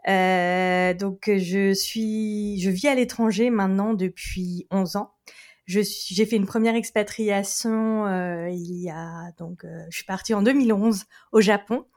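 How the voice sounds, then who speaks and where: A woman's voice: medium pitch, steady tone, measured pace, darkish tone. A woman from France, a lawyer, chatting as a guest in an interview, laughing often and restarting her sentences. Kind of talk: casual interview chat.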